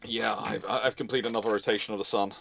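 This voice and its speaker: A man in his thirties chatting casually as host of a group livestream, halting and often repeating words as he goes. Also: on the low side, steady tone, creaky, fairly bright tone. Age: 30s. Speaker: host and university lecturer.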